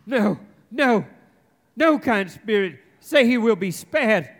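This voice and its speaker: A man playing an old miser, uneasy and pleading, with halting, anxious speech in a live stage radio play. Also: high voice, sing-song, exaggerated voice. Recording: live stage recording in reverberant hall.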